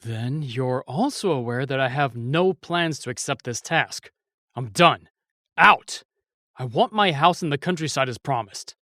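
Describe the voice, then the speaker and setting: Reluctant knight, male actor: slow, curt, sardonic, medium pitch, fantasy drama. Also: lively intonation, pushed and bright, dry recording, clean studio sound. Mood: angry, defiant. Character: gruff, cynical, reluctant knight, worn out by duty. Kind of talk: fantasy audio drama acting.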